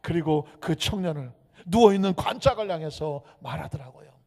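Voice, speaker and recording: Gravelly, lively preacher in an echoey church. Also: male voice, a little high, normal speed. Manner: dramatic, swings between hushed whispers and loud calls; leads the congregation in call-and-repeat. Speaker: pastor. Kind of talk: sermon. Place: church sanctuary. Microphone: microphone.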